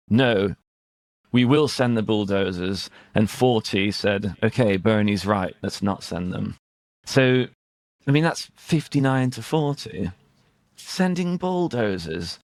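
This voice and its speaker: A British man, an English teacher, talking casually about current affairs in a searching, halting way with rhetorical questions. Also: mid-range voice, no echo. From Britain. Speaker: English teacher and conversation host.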